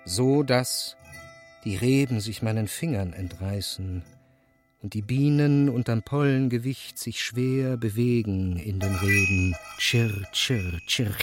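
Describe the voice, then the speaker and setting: An actor playing a grave poet-chronicler, reciting avant-garde verse for a radio play in with an incantatory, declamatory delivery. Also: male voice, on the low side. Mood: incantatory, reverent. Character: grave male poet-chronicler of war and myth.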